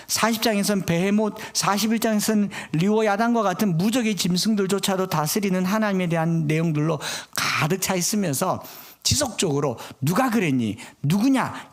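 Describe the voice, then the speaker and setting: A middle-aged man preaching a sermon as pastor, earnestly voicing God's questions with rising force. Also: high voice.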